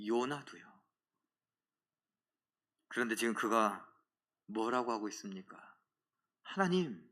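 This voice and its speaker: A male pastor preaching a sermon in a bright, forceful voice that sits a little high for a man. He swings from hushed, almost whispered lines to loud, ringing exhortation. He keeps asking the congregation questions and acts out a prophet's angry outburst. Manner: acts out Jonah's angry complaint to God.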